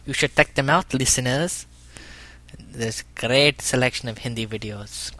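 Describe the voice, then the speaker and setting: A man's voice: medium pitch, a little slow, pushed and bright. A man co-hosting a comedic podcast, playful and agreeable, often repeating his words. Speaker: podcast co-host.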